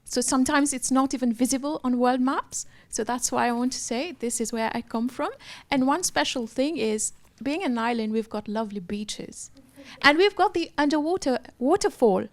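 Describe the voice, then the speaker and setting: A woman's voice: high-pitched, normal speed. A woman with a Mauritian accent presenting her home country to an audience in unscripted remarks. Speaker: fellowship participant.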